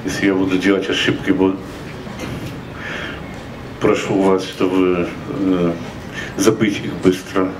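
A man's voice: low voice, monotone, takes it slowly, long pauses, very noisy. A man in his sixties from Poland, speaking Russian as a foreign language with a Polish accent, talking to an audience at a book event into a handheld mic, hesitant and correcting himself often. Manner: hesitant non-native Russian with self-corrections. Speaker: author. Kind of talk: public talk at book event. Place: large bookstore event hall. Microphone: handheld microphone. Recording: echoey hall, recorded from far off.

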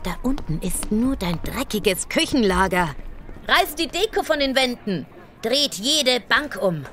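A woman's voice: on the high side, sing-song, unhurried, a bit bright. An actress playing a hard, sardonic female police commissioner in a radio play, commanding and condescending. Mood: harsh, impatient. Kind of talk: German radio play acting. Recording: rough unfinished mix, clear street and vehicle noise.

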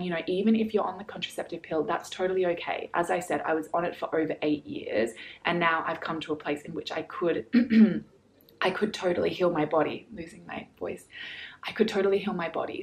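Earnest low-voiced woman giving advice. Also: low-quality recording. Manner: earnest, flowing, many fillers like "like" and "you know". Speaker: holistic health coach. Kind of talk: direct-to-camera advice vlog.

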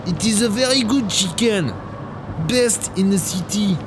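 An actor playing a cryptic French taxi driver in a radio drama, with a French accent and halting, searching speech. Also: male voice, high-pitched, animated, over music, low-quality recording. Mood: musing, cryptic. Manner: halting English with searching pauses.

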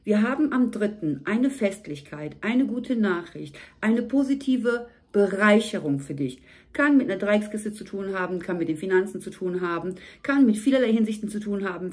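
A woman with a slightly hoarse voice gives a monthly tarot reading at a table indoors. She speaks to the viewer in a warm, reassuring way. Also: mid-range voice. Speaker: tarot reader.

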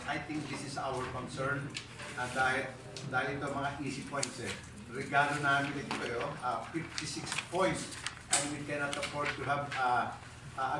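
A middle-aged man with a Filipino accent, a basketball coach at a press conference, speaking haltingly with many fillers and Tagalog phrases mixed in. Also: medium pitch, recorded from a distance. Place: press room with a backdrop, seated at a table. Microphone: table mics heard from a far camera. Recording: echoey room from afar, noisy.

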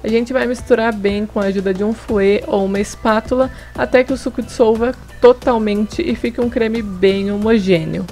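A woman's voice: fairly high pitch, steady tone, normal speed, hardly any pauses, darkish tone, soft background music. Chatty woman explaining a recipe. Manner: chatty, explains each step with friendly tips. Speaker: cooking channel host. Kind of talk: casual recipe demonstration. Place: home kitchen table.

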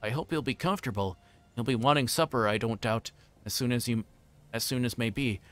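A man voicing a bustling, forgetful fat innkeeper in a storybook reading, rambling on in a hurried, folksy way. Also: medium pitch, natural voice. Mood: flustered, rambling. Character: flustered, bustling, chatty fat middle-aged male innkeeper.

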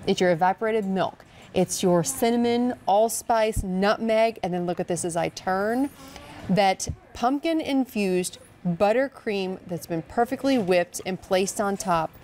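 A woman in her thirties or forties presenting as a home shopping host's guest, pitching live in an enthusiastic, conversational way. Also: measured pace, darkish tone, slight background noise. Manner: enthusiastic, gushing. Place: TV kitchen studio, indoors.

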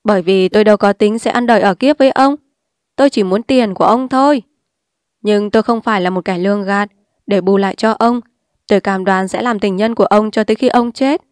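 A woman's voice: medium pitch, brisk, clear, resonant tone, no echo, clean studio sound, close to an everyday voice. Woman voicing a bitter, scornful young woman. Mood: brazen. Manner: blunt, scornful and sharp-tongued. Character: bitter defiant young woman, streetwise and mocking.

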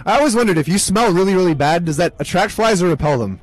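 A young man commentating a live match, mixing play-by-play with deadpan jokes. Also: high-pitched, quick pace, dry recording, poor audio. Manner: deadpan joking asides. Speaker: sports commentator. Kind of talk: comedic live sports commentary.

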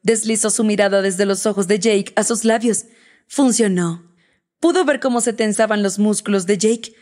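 A woman narrating a romance audiobook in a smooth, even storytelling manner. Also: mid-range voice, normal speed.

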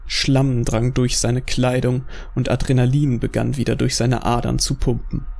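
A man's voice: medium pitch, little pitch movement, moderate pace, gravelly, a little mellow. A man narrating a scripted horror audio drama.

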